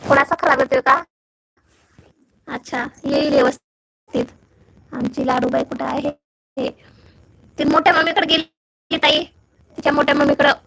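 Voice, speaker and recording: A young Marathi-accented woman chats casually on a phone live stream, her voice high and bright. She greets viewers by name and keeps checking that her sound is coming through clearly. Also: steady tone, moderate pace, pauses often, poor audio.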